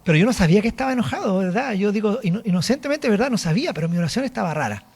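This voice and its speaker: A man preaches and tells a personal story. His voice is high for a man and swoops widely as he acts out each exchange. The delivery is lively storytelling from the pulpit. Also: rapid-fire, creaky, husky. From Chile. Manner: storytelling, animated, acts out dialogue. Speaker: apostle preaching. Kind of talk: sermon testimony.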